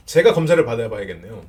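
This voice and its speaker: A middle-aged man giving casual counseling advice with a fairly loud voice, talking in an animated way and laughing often. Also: mid-range voice. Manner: animated, laughs often, acts out short example lines. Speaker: counselor answering viewer questions.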